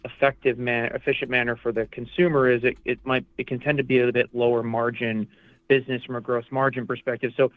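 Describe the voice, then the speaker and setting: A man with a mid-pitched, monotone voice asks a question as an analyst on an earnings call. He is tentative, rephrasing as he goes. It comes over a dry, phone-like line. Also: fast talker, dry recording. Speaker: financial analyst asking questions.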